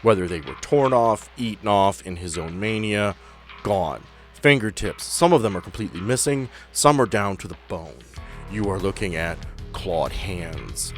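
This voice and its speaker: A man running a tabletop roleplaying game as game master, improvising the narration in a dramatic, deliberate way with pauses. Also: lowish voice, animated, a bit bright. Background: guitar-led music bed.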